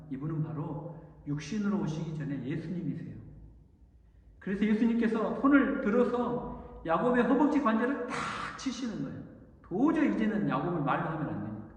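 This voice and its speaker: A high-voiced preacher in an echoey hall. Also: male voice, slight background noise. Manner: storytelling, animated retelling with acted quotes. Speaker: junior pastor. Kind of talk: sermon. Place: church sanctuary. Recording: echoey church hall, distant dull mic.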